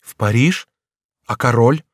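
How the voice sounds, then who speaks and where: A man voicing a lively young noblewoman who worries for her husband, with high excitable exclamations, in a dry audiobook reading. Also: unhurried, dry recording, natural voice. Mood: anxious.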